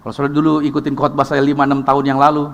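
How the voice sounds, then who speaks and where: A middle-aged man from Ambon with an Ambonese Indonesian accent, preaching a lively, emphatic sermon that asks the congregation questions and answers them. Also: mid-range voice, rapid-fire. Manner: lively, emphatic, rising to loud bursts. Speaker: pastor. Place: large church hall. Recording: long church reverb.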